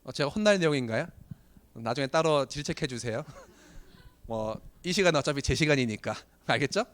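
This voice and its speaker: Animated man telling a seminar story. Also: medium pitch, fairly quick. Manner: animated storytelling, acts out quotes, self-deprecating jokes. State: voice getting hoarse. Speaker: business seminar speaker. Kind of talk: motivational talk to trainees.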